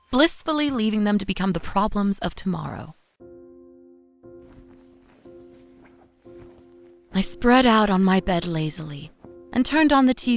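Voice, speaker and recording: A woman acting as a devoted, worn-out young mother narrates a scripted horror audio drama. Her storytelling is intimate and expressive, at an ordinary female pitch. Music plays underneath her voice. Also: close to an everyday voice. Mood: tired, relieved. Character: weary, devoted young mother recounting an unsettling night. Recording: voice over music bed.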